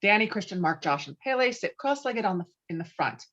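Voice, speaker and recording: A woman's voice: medium pitch, lively intonation, brisk, a bit bright. A woman reading scripted stage directions as narrator at a table read, slightly muffled as on a video call.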